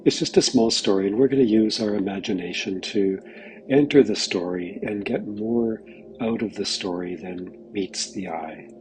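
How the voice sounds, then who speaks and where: A man leading a Christian guided meditation in a gentle, unhurried way, often pausing mid-phrase. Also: lowish voice, poor audio. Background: background music.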